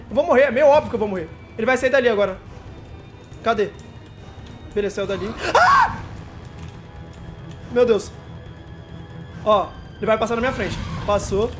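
A young man streaming a horror game, panicking, repeating himself and shrieking when scared, shaky and sweating. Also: very high voice. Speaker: gamer streamer. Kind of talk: horror game let's play commentary.

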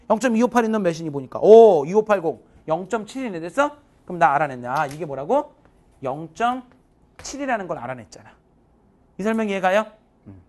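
A man in his thirties teaching math to a live class, joking with students and mixing casual and polite speech. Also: high-pitched.

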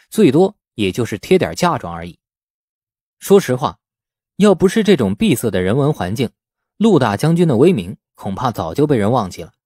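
A man reading a novel aloud as scripted, expressive storytelling narration. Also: medium pitch, dry recording, studio quality. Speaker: audiobook narrator.

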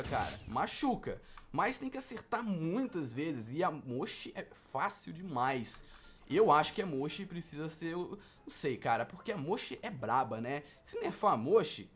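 An excitable young man with a Brazilian accent narrates his own gameplay, groaning and cheering as the fight swings. His voice leaps up and down constantly. Faint game music plays underneath. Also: a little high. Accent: Brazilian Portuguese. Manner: emotional, exclaims and groans at each hit and miss. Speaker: gaming video host.

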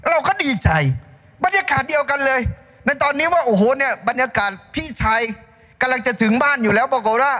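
A man in his fifties preaching a sermon on a church stage, holding a handheld mic, animated and gesturing. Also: extremely high pitch, fairly quick. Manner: animated, gesturing preacher acting out story voices. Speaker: pastor. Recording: long hall reverb.

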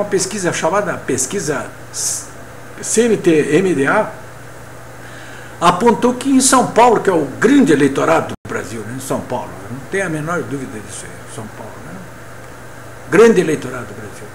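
An older man from Brazil talks politics straight into a webcam from his home office. His fairly high voice swings widely as he chats in an opinionated way. The room is echoey, and a faint air-conditioner hum sits behind him. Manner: chatty, opinionated, frequent tag questions. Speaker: political commentator. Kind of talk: casual political commentary to camera. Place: home office with bookshelf, indoors. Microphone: webcam at desk.

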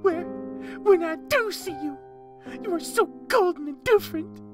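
A woman's voice: extremely high pitch, animated, normal speed, over music. A woman playing a sorrowful, reproachful young sweetheart in a fan audio drama. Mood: hurt, reproachful. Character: soft-spoken heartbroken young woman, Josephine.

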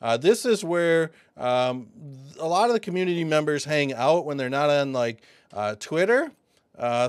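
Excitable man hosting crypto commentary. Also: a little high, no echo. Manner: excitable, talks to viewers as folks, many fillers. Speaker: crypto video host. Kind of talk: casual commentary.

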